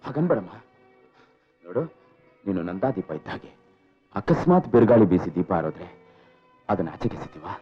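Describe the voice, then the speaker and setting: A man's voice: low-pitched, big pitch swings, a little fast, long pauses, breathy edge, full character voice. An actor playing an aging imprisoned father who tenderly soothes and pleads with his daughter. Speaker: jailed father. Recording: dull lo-fi film soundtrack with faint music.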